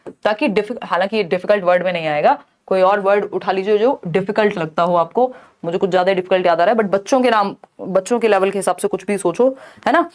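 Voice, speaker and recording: A woman teaching an online exam-prep lesson, explaining in Hindi and reading English questions out slowly. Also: medium pitch.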